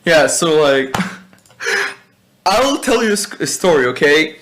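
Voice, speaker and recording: A man from Israel with an Israeli accent, talking casually as a music producer in a hesitant, halting way, swearing now and then. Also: a little high, very animated, a bit bright. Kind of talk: casual workshop talk.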